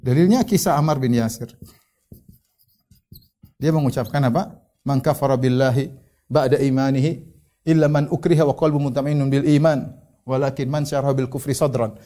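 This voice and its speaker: A man's voice: mid-range voice, fairly even intonation, moderate pace, long pauses, mellow. A male Indonesian preacher giving a religious lecture, explaining terms and retelling stories with quoted dialogue. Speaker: Islamic preacher.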